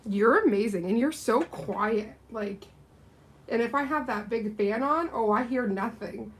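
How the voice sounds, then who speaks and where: A woman's voice: fairly high pitch, a little slow. A woman with a Canadian accent, chatting casually and bubbly while doing a client's nails. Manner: chatty, bubbly, laughs often. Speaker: nail technician. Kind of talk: casual chat while working.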